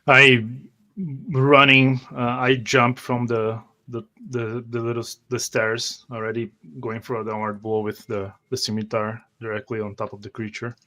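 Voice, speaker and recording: A man playing a tabletop game, describing his character's actions in improvised roleplay and haltingly searching for words. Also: mid-range voice, monotone, sharp tone.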